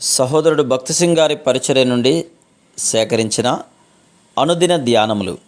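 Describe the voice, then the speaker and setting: A man reading a scripted Christian devotional in a formal, measured manner. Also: mid-range voice. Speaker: reader of daily Christian devotional meditations.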